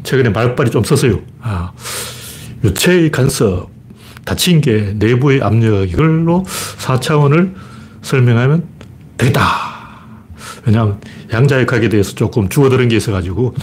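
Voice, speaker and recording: A man's voice: medium pitch, animated, normal speed, a little mellow, slight background noise. A man hosting a live stream, giving blunt, rambling political commentary and greeting viewers by name. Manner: blunt, rambling, mimics people in raised voices. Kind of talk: casual political commentary livestream.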